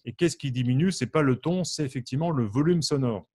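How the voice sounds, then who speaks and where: This mid-range male voice is brisk, a little mellow and slightly rough. The speaker, from the Champagne region of France, runs a live online harmonica lesson, chatting casually with many fillers, quizzing his audience and answering each viewer by name.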